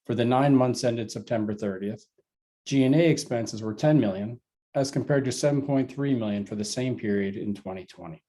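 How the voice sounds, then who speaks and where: Man formally reading financial results, dark voice. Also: mid-range voice, normal speed. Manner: formal, reading figures methodically. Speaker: company finance executive. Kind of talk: scripted earnings call financial report.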